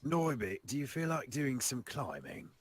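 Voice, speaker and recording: A man voicing a classy, cautious, melancholy undead adventurer in a tabletop game, speaking formally and with measured politeness. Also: medium pitch, very animated, no room sound, voice pushed up. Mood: composed.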